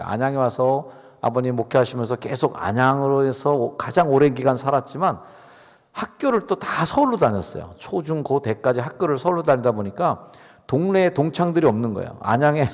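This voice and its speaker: A middle-aged man, a pastor, preaching a sermon in a conversational, chatty way, asking the congregation questions. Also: medium pitch. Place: church sanctuary. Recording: long reverb of a church hall.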